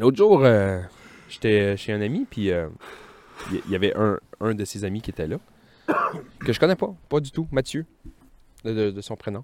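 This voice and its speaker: With a fairly low pitch and lively intonation, a man talks at a moderate pace. He leaves long, frequent pauses, and the sound is dry and close with no echo. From Quebec, Gaspésie. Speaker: podcast co-host. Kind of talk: casual chat.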